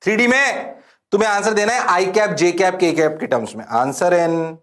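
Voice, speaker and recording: A man teaching physics in an animated, playful exam-prep lecture, who teases his students and answers for them in a low mumble. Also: brisk. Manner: playful, teasing, sings out exclamations; mimics students' replies in a low voice.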